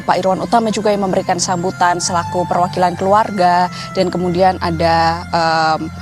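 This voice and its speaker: A woman reporter giving a live news report from an outdoor event and interviewing guests, with hesitant fillers. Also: lowish voice. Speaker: field reporter. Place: outdoors at a cemetery.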